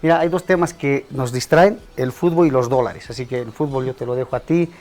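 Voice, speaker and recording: A man who is a guest on a TV talk show, explaining exchange rates in a measured, analytical way. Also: medium pitch, a little mellow. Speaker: economist guest. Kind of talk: explanatory TV interview.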